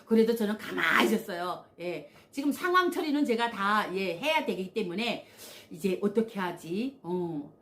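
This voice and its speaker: A woman's voice: mid-range voice, normal speed, hardly any pauses. Woman telling her story. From North Korea. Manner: animated, acts out quoted voices, frequent "yes" and "uh" fillers. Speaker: channel host. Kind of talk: personal storytelling.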